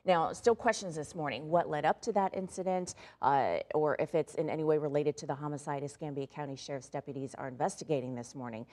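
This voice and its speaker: A woman reads the morning headlines in a somewhat low voice, brisk and matter-of-fact. Between stories she turns bright and chatty with her co-anchor. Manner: brisk, upbeat delivery with chatty asides. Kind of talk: live morning news reading and chat.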